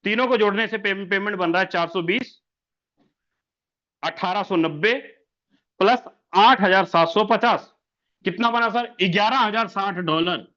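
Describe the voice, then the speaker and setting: High, bright-voiced man pitching numbers. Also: measured pace, pauses often, lo-fi sound. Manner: repeats figures, fires rhetorical questions, keeps saying sir. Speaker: business presenter. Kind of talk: sales presentation over an online meeting.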